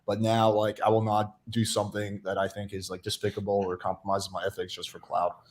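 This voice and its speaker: A man's voice: on the low side, completely flat delivery, a little fast. A young man from Russia on a podcast, casually telling candid, self-deprecating stories about his past. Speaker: podcast guest. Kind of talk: casual chat.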